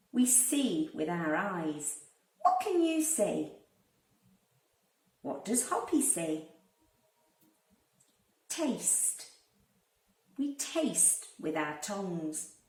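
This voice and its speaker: A woman narrates a children's storybook in an expressive, deliberate manner. Her pitch moves up and down a lot and her pace is slow. She is a little away from the microphone in a reverberant room. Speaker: primary school teacher reading aloud. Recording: roomy, distant microphone.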